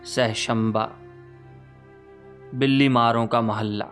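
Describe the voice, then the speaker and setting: A man's voice: mid-range voice, fairly even intonation, fairly bright tone, soft background music, voice pushed down, natural voice. A man playing a witty, lamenting nineteenth-century poet reading his letter aloud in archaic, courtly, theatrical phrasing. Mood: mournful, resigned. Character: Mirza Ghalib, witty lamenting 19th-century Urdu poet writing a letter.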